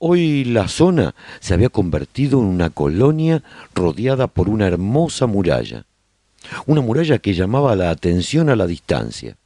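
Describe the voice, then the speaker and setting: A man narrates a scripted radio serial in a documentary tone, with measured, deliberate phrasing. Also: on the low side, wildly swooping pitch, warm tone, no room sound, studio quality.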